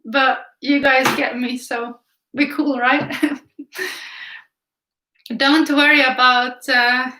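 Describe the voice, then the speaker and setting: High bright-voiced Finland Swedish woman. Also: flat delivery, slow pace, long pauses, roomy sound, poor audio. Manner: chatty, reads viewer comments aloud, frequent restarts. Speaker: art livestream host. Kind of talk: casual live-stream chat while painting. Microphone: camera filming from above.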